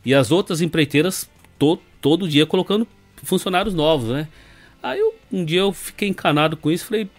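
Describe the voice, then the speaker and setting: A man's voice: fairly high pitch, a little fast, soft background music. A middle-aged Brazilian man from Brazil, a podcast guest relaxedly telling his story with lots of filler tags. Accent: Brazilian Portuguese. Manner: relaxed, rambling, leans on fillers and tag questions. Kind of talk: casual storytelling interview.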